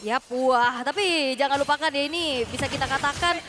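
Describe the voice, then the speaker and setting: A woman's voice: high voice, normal speed, noisy background. A woman with an Indonesian accent giving analytical esports commentary. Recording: loud music behind the voice. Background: loud music.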